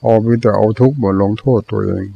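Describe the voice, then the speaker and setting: A man's voice: lowish voice, quick pace, vocal fry, breathy edge, dull audio. An older man, a Buddhist monk, giving a Dharma talk with plain storytelling and repeated teaching phrases.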